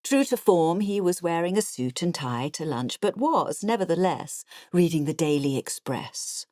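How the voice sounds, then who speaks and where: A woman's voice: on the low side, expressive, moderate pace, dark tone, no echo, clean studio sound, lightly acted. A woman voicing an artless, chatty retired nurse in her later years, narrating an audiobook in an English accent, confiding and matter-of-fact as she digresses. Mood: confiding, digressive. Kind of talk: audiobook first-person narration.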